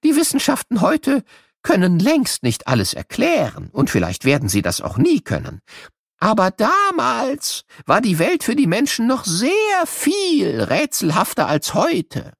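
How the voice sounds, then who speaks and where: A man's voice: high-pitched, wildly swooping pitch, a little slow, vocal fry, no echo, clean studio sound, voice pushed up, full character voice. A man voicing an old scientist who chattily explains things to children in an audio play, musing and humming to himself. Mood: musing, explaining. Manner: chatty, musing, with little hums and questions.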